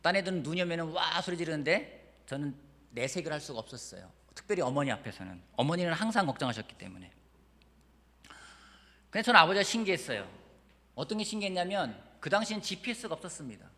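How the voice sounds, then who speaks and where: A man preaching a Sunday sermon with lively storytelling, moving between quiet and emphatic delivery. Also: on the high side, quick pace. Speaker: pastor. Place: church sanctuary. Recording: church hall reverb.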